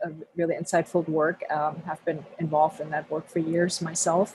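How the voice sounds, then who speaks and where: A woman with a German accent speaks at a moderate pace with fairly low pitch. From Germany, Lake Constance region. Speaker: math instruction specialist. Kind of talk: video meeting self-introduction. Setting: video call. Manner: halting, with fillers.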